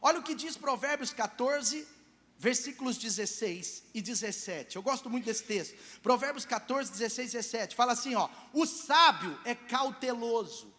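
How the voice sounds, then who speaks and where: A pastor with a strikingly high voice delivers a lively sermon, prodding the congregation for answers. The sound hangs in a big reverberant church hall. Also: male voice, normal speed. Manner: animated preaching, asks the congregation for responses. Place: church service.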